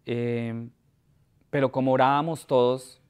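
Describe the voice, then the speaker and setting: Smooth-voiced man preaching a sermon. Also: mid-range voice, little pitch movement, measured pace, a little mellow. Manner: reads scripture aloud, then preaches with fillers and restarts. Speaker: pastor. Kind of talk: sermon with scripture reading. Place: church.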